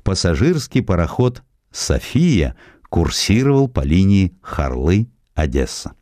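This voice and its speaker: A man narrating a historical essay as an audiobook, in a measured, expressive storytelling manner. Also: sits low, dry recording, studio quality.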